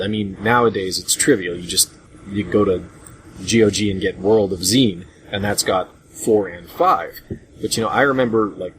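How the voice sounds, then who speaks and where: A man hosting a casual group discussion about retro games in a rambling, hesitant way, on a low-grade voice chat recording. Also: slight background noise, low-quality recording. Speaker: podcast host.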